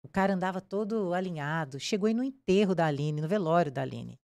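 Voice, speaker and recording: A woman's voice: lowish voice, quick pace, no room sound. A woman with a Brazilian accent, a crime reporter telling her story in a casual interview and acting out what people said. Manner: animated, acts out quoted dialogue.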